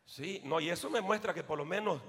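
A male pastor preaching a fiery sermon, shifting from loud shouts to quiet asides aimed at the congregation. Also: on the high side, fairly quick, long reverb tail, a little hiss or hum. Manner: swings between shouting and near-whispered asides, calls out to the congregation. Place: church.

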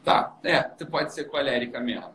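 A man hosting a casual chat, explaining personality temperaments to a young guest in an animated, teasing way. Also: mid-range voice, normal speed. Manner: animated and teasing, often tags "entendeu?". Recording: roomy room with clear background noise.

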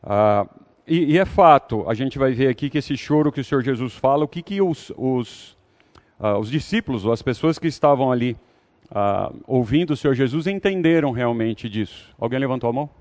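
A man's voice: medium pitch, expressive, moderate pace, darkish tone. A man leading an interactive Bible study, talking conversationally and putting questions to the audience.

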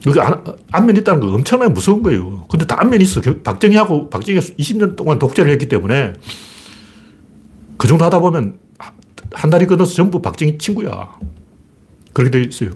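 A man's voice: on the high side, big pitch swings, fast, darkish tone, slightly rough. A man hosting a political talk show, telling stories in a blunt, rambling way. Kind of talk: casual political monologue.

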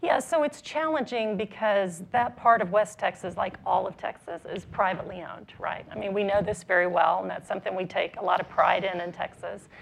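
Woman with a scratchy, gravelly voice. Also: mid-range voice, steady tone. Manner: measured, explanatory, frequent ums. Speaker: panelist. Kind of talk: panel discussion. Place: conference stage.

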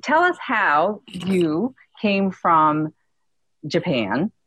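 A woman's voice: fairly low pitch, sing-song, extremely slow, fairly bright tone, slightly rough, dry recording, dull audio. A woman hosting a podcast interview, talking in a rambling way with lots of fillers and restarts. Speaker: podcast host. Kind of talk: casual interview talk.

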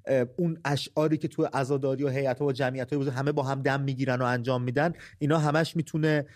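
A man's voice: mid-range voice, fairly even intonation. A man hosting a live call-in podcast, talking earnestly and asking pointed rhetorical questions. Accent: Persian. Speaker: podcast host.

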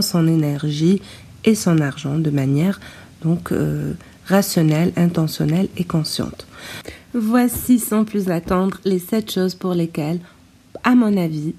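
Low quality recording of a mellow woman podcaster. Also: slightly rough. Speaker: podcast host. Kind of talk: informal solo podcast talk. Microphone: tablet's built-in microphone, no proper mic. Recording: low quality stream, muffled tablet microphone.

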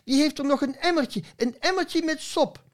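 A man's voice: high voice, expressive, normal speed, pitched above the performer's own voice. A man in his sixties voicing a cheerful female sheep in a rhyming poem. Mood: alarmed. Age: 60s. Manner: sing-song rhyming recital.

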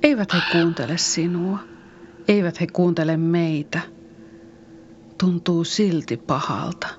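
A woman's voice: fairly low pitch, fairly even intonation, muffled recording, a little hiss or hum, natural voice. A woman playing a sorrowful follower of Jesus, consoling and often whispering.

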